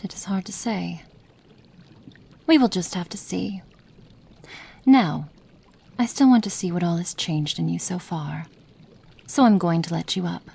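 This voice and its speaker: Woman playing a slow, menacing cruel witch. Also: lowish voice, vocal fry, slightly rough, full character voice. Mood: coldly clinical. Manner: slow, menacing, drops into soft whispers. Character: cruel, cold female witch experimenting on a captive. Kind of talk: ASMR roleplay.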